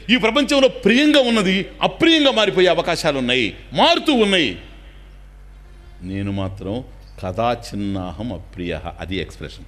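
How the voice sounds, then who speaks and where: A man, a swami, giving a spiritual discourse in an animated storytelling manner, now and then dropping in English phrases. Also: mid-range voice. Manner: animated, acts out anecdotes, drops English phrases.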